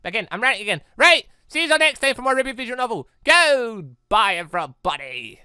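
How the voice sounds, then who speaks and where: Animated male gamer with a bright voice. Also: very high-pitched, fairly quick, clean tone, no echo, studio quality. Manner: rambling, excitable, animated. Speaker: gaming video host. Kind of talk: casual let's play commentary.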